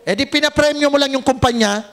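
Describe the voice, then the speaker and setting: A high-pitched man from the Philippines pitching a business plan to a seminar crowd. He jokes and teases the audience, often checking that they follow. His lively voice carries across a meeting room. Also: fast talker. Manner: joking, teasing the audience, asks "Tama?" often. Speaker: networking seminar presenter.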